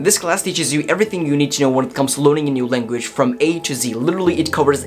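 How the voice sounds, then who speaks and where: Over noticeable background noise, a man talks at a very fast pace with lively intonation and a fairly high pitch. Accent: Turkish. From Turkey. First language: Turkish. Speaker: YouTuber and language learning teacher. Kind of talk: casual vlog tutorial. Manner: casual, filler-heavy.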